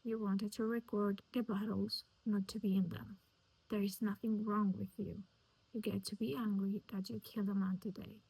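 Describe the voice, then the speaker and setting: A woman's voice: flat delivery, moderate pace, vocal fry, a little mellow, slightly rough, rough recording. A woman whispering the lines of an intense young man who guards his lover, reading them from a novel. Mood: tender. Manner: whispered, low and intimate.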